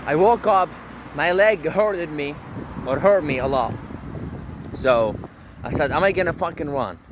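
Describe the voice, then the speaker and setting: A man's voice: on the high side, a little slow, background noise. Brash, profane Arab man rambling outdoors. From Syria. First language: Arabic. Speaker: vlogger. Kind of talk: rambling self-talk monologue.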